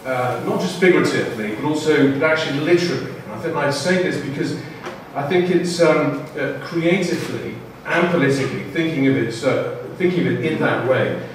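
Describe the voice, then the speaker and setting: A man's voice: mid-range voice, brisk, few pauses. Hesitant man in an echoey hall. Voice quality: loud voice. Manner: hesitant, many fillers and restarts. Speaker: panel speaker. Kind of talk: halting public talk from notes. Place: lecture room with audience. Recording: echoey room, far mic, faint noise.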